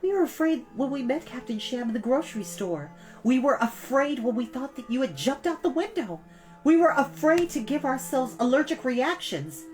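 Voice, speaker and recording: A woman's voice: high-pitched, big pitch swings, normal speed, faint music behind, voice pushed up. A woman voicing a bold young girl in a children's storybook, speaking in an urgent, firm and insistent way. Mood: firm, brave. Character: bold, impatient young girl, earnest older sister.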